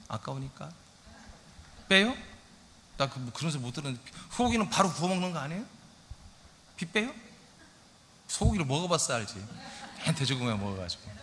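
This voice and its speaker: A middle-aged male pastor preaching a lively sermon, often asking his congregation questions. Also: fairly high pitch, slight background noise. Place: church sanctuary. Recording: church hall reverb.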